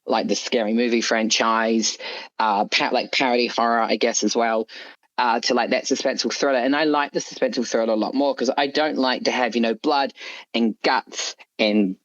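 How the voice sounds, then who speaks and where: A man's voice: mid-range voice, fairly even intonation, normal speed, a bit bright. A man being interviewed as a writer, chatting casually and thinking aloud with frequent asides, on a slightly lo-fi recording. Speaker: guest author being interviewed. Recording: dull, lo-fi voice recording.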